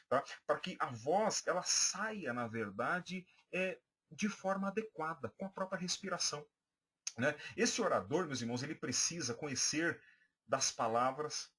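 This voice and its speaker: A man's voice: medium pitch, a bit bright, husky. A man with a Brazilian Portuguese accent, a pastor giving a class on preaching, hesitant with many fillers and restarts, addressing listeners as brothers. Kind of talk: recorded class for church members.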